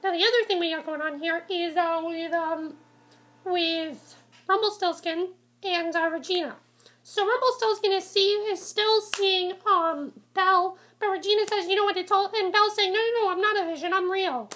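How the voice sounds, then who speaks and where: Very high-voiced woman, stuffy with a cold. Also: steady tone, normal speed, fairly bright tone. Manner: rambling, many ums and restarts. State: congested with a cold. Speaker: TV episode reviewer. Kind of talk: casual video review.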